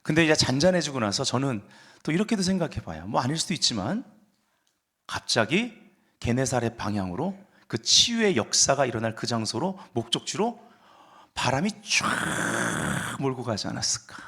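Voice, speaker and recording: A man's voice: medium pitch, very animated, a little fast, a bit bright. A man preaching a Sunday sermon as pastor, explaining scripture and rising to fervent emphasis.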